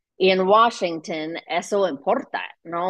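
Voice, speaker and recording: A woman speaks very slowly in an English accent. Her fairly low pitch shows ordinary variation. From US Midwest (Detroit, Michigan). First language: English (speaking Spanish). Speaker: business executive. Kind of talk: interview. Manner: talkative.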